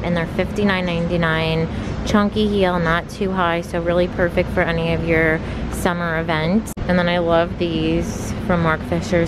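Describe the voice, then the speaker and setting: A woman's voice: fairly low pitch, noisy background. A woman filming a shoe-store haul, chatting through styles and prices in an upbeat, casual way. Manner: chatty, upbeat product rundown listing prices. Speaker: fashion vlogger. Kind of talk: shop-with-me shoe haul narration. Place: shoe store aisle, indoors. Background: background music.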